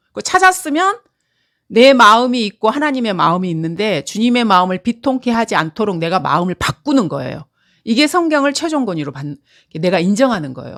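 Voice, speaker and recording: A woman's voice: fairly high pitch, fairly bright tone. A middle-aged woman teaching a Bible lesson in an earnest, conversational way, with frequent fillers.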